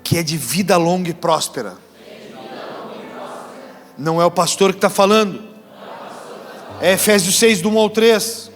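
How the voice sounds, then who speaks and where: A man preaching a sermon as pastor, acting out couples' lines and shouting rebukes. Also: high-pitched, unhurried, pauses often. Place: church hall. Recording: church hall reverb with faint music.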